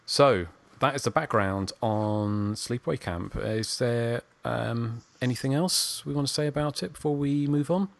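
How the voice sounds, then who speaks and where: A man's voice: mid-range voice, unhurried, creaky, hardly any pauses, dry recording. A man hosting a podcast in a casual, chatty way. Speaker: podcast host. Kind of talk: casual chat.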